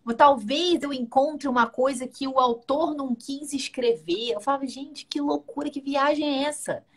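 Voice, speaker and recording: A woman's voice: high voice, moderate pace. A woman with a Brazilian accent, a guest in a casual interview who talks at length and keeps checking that the listener is following. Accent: Brazilian Portuguese.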